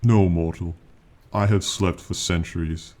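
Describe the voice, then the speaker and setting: In this fantasy ASMR roleplay, a man gives voice to an ancient male dragon, very deep and dark, with fairly even intonation and little rise or fall. His stately, archaic phrasing is slow, formal and lofty, proud and condescending but affectionate toward his mortal companion, and the mood is regal and reassuring.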